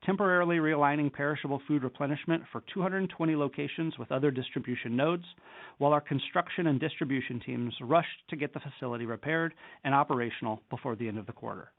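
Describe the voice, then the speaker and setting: A man reading a scripted corporate presentation as a company executive in a measured, formal delivery. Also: on the high side, vocal fry. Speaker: company executive on an earnings call. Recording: narrow phone-line conference call audio.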